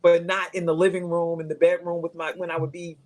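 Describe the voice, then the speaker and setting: A woman's voice: lowish voice, level tone, fast, darkish tone. A woman in her fifties speaking candidly as a guest on a live talk show, reflective and thoughtful. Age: 50s.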